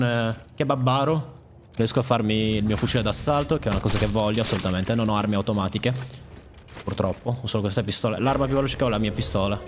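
A man commentating his own gameplay, excitable, swearing and shouting at the enemies on screen. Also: mid-range voice. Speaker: gaming let's-play host. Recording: game sounds and noise behind the voice.

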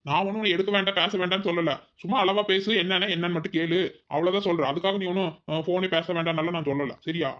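Grumpy jealous cartoon husband a guy voicing him, kongu accent, talks super fast, bright edgy tone, dull lo-fi audio. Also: sits high, fairly even intonation. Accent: Kongu Tamil. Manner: curt, snapping replies. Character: sulky jealous village husband, curt and grumpy. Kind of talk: cartoon voice acting.

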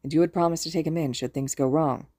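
A woman's voice: low-pitched, steady tone, quick pace, mellow, no echo, clean studio sound. A woman voicing a guilt-ridden, self-loathing older man in an audiobook, subdued and resigned. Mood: grave, resigned.

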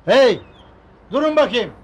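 An actor playing an irritable middle-aged father who owns a holiday home and scolds loudly in a sitcom. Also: very high-pitched, sing-song, measured pace, a little hiss or hum, full character voice. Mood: scolding. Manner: scolding, grumbling. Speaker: annoyed estate resident. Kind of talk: sitcom acting.

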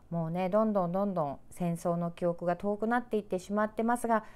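Middle-aged female TV announcer for children's storytime; mid-pitched, polite, measured delivery over music. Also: smooth. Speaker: TV announcer and presenter reading to children. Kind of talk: children's presenting and picture-book read-aloud. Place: small indoor room with sofa.

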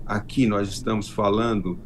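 An older man with a rural Minas Gerais accent, answering interview questions slowly over a video call from his home library, often restarting his sentences. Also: fairly low pitch, steady tone, a little hiss or hum. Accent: rural Minas Gerais Portuguese. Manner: unhurried, with frequent restarts. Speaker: guest, self-taught linguist. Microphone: video call webcam.

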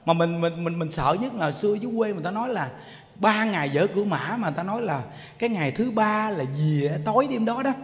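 A monk delivers a sermon in an animated storytelling style, often repeating words and speaking straight to his listeners. His voice is fairly high for a man. A long hall reverb trails after his words. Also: fast talker. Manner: animated storytelling with many repetitions, addressing listeners directly. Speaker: Buddhist monk teacher.

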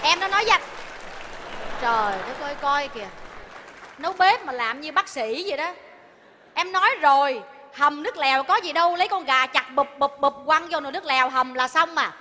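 Brief: shrill, bossy restaurant wife, high and sharp, comedy sketch, hall reverb. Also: female voice, animated, a little fast, a faint crowd, a little hiss or hum. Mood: scolding. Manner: scolding, theatrical. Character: bossy nagging Vietnamese-American restaurant wife.

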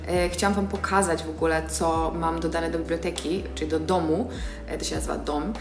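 A woman's voice: low voice, fairly even intonation, fairly quick. A young woman vlogging to her phone camera from her living room, chatty and enthusiastic, with plenty of filler sounds. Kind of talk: casual vlog chat to camera. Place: bright living room at home. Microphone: phone camera on a tripod nearby. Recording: roomy echo with music behind.

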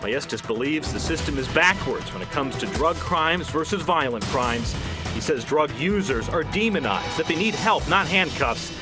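A man's voice: on the high side, animated, normal speed. An American man reading scripted television news narration as a reporter, emphatic and in clipped phrases. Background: music bed.

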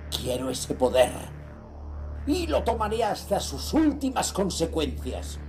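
A man's voice: mid-range voice, creaky, a little mellow. An actor playing an arrogant, obsessed nineteenth-century occultist, reciting his diary in a pompous, scornful, theatrical way. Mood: power-hungry. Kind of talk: dramatic audio-drama monologue.

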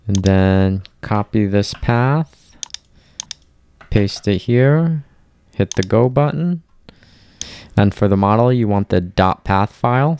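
Male tutorial narrator, smooth and fairly low, plain instructional delivery for software walkthroughs. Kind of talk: step-by-step software tutorial voice-over.

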